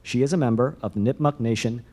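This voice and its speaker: A man's voice: mid-range voice, fast talker, mellow. A man hosting an event, reading formal introductions of speakers from a script.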